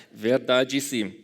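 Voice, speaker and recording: A man from Scotland giving an academic lecture in a second language with a Scottish English accent, careful and halting, correcting himself as he goes, with dry humor. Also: medium pitch. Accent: Scottish English speaker speaking Portuguese.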